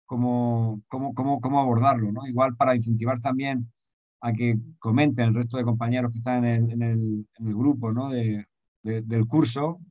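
A man's voice: medium pitch, steady tone, normal speed, no echo. A man with a Spanish accent from Spain asking a rambling, hesitant question in a seminar, often adding tag questions. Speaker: discussion participant. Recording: slightly dull, lo-fi, dry.

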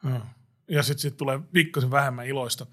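A man leading a casual podcast conversation. He poses questions to his co-hosts, pausing often on filler sounds as he gathers his thoughts. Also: mid-range voice, steady tone, sharp tone. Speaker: podcast host asking questions. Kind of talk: casual chat.

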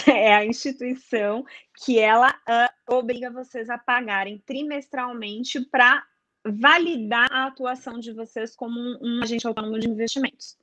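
A guest explains investment advisor certification step by step in a casual chat, often checking in with "tá?" and asking herself questions. Her voice is a little high and bright, steady and forceful, at normal speed with no echo.

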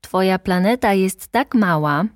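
A woman voicing a gentle, curious little boy prince in a storybook reading, asking earnest questions. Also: mid-range voice, lively intonation, unhurried, dry recording, studio quality, voice pushed up, natural voice.

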